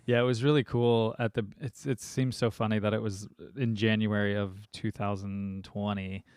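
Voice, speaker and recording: A man hosting a podcast, chatting casually and telling lively stories with many fillers. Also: on the low side, moderate pace, clean tone, dry recording, clean studio sound. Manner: animated storyteller, many fillers. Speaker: podcast host. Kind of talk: casual conversation.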